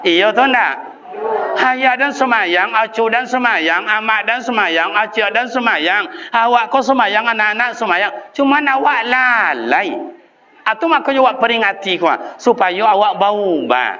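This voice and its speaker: A man with a Kampar Minang Malay accent preaching a lively sermon in a mosque, chanting lists and imitating sounds and calls. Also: high voice, highs cut off, slight background noise. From Riau, Indonesia.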